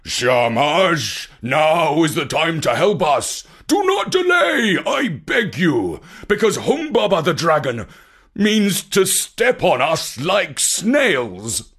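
A man's voice: medium pitch, very animated, slow pace, fairly bright tone, husky, heavily acted. A man doing an earnest hero king. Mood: pleading. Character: brave young heroic king, anxious before battle.

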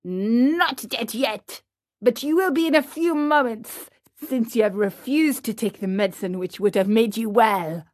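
A woman's voice: a little high, unhurried, no room sound, studio quality, close to an everyday voice. A woman voicing a solemn, ominous black rabbit in a storybook, speaking with matter-of-fact menace. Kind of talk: storybook character reading.

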